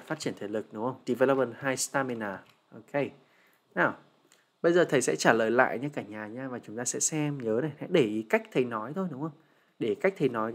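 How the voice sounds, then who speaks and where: A young man with a Vietnamese accent, teaching English on a livestream, who switches between slow, careful model answers and chatty, teasing asides. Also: medium pitch. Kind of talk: livestream lesson.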